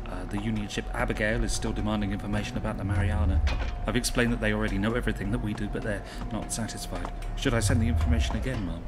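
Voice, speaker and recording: Flustered, eager junior officer played by a man, lowish voice, fast delivery, loud music behind. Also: steady tone, close to an everyday voice. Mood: anxious, dutiful. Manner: nervous, apologetic, stammering. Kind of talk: audio drama acting.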